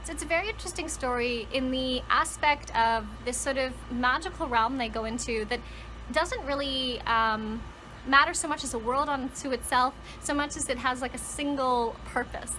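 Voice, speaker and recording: A woman's voice: sits high, normal speed, bright, forceful tone, slight background noise, low-quality recording. A woman talking casually and enthusiastically to viewers as a book vlogger, conversational and leaning on words for emphasis. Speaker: book vlogger and storytelling channel host.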